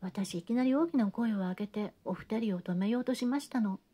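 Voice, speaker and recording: A woman with a medium-pitched, dark, natural voice reads a classic novel aloud as an audiobook, speaking a little fast. She voices a theatrical, talkative genteel lady who gossips in gushing, breathless chatter, with refined sentences and feminine endings.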